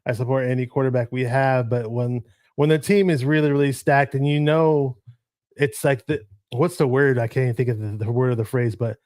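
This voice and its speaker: Dude rambling about football, lots of restarts, dry close sound. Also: male voice, medium pitch, level tone, a little fast, a little mellow, no echo. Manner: rambling, full of restarts and fillers. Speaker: podcast host. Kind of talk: casual sports chat.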